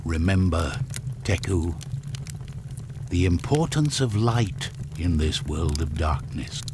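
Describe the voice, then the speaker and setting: A man voicing a solemn, reassuring tribal shaman who teaches in an unhurried manner, in a video game story. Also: sits low, expressive, noisy background, voice pushed down. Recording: music under the voice.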